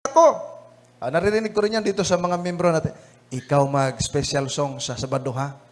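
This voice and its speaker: A man's voice: fairly high pitch, little pitch movement, a little fast. A man with a Filipino accent, an evangelist telling funny anecdotes in a lesson-review sermon, chatty and often laughing as he addresses the brethren. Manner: chatty, laughing, often says "mga kapatid".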